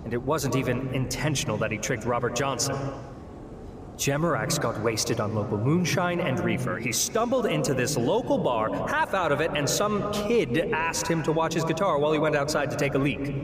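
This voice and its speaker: A man's voice: mid-range voice, expressive, normal speed, lightly acted. A man playing a haughty, fussy demon in an audio drama, exasperated and scornful of humans. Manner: exasperated, disdainful, theatrical. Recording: echoey hall with background noise.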